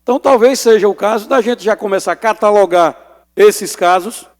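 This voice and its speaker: A man's voice: high-pitched, normal speed. A man, a state legislator, speaking formally and with indignation on the floor. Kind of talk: parliamentary floor speech. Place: legislative assembly chamber. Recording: long reverb of an assembly chamber.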